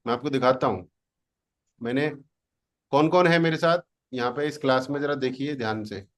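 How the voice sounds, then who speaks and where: A man leading an online class as a digital marketing coach, boastful and teasing, who slips English words into his Hindi. He speaks at an ordinary middle pitch. His voice comes through a computer mic on a video call. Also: moderate pace. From India. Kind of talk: live online class demo.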